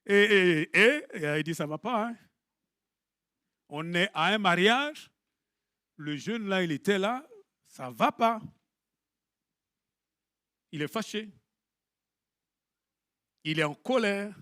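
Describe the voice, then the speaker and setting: A high-voiced, bright middle-aged man preaches, dry and close to the mic. He is animated and playful, jumping from loud bursts to near whispers. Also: slow pace, long pauses, no echo. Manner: animated, swings from loud to hushed, jokes with the congregation. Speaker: pastor. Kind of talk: lively sermon.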